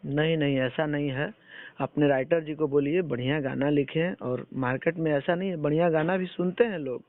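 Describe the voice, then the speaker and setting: A man interviews someone on a phone call. His voice sits a little high, and he presses his questions in a scolding, persistent way. The sound is narrow and tinny, as on a phone line, with very little room echo. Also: moderate pace. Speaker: interviewer for an entertainment channel.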